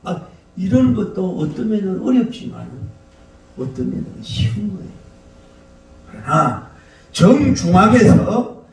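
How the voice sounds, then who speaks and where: A male pastor preaching a sermon in an animated, storytelling manner in a church hall. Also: sits high, a little slow, vocal fry, pauses often. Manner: animated, shouts mock slogans, storytelling. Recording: echoey hall, distant mic, faint noise.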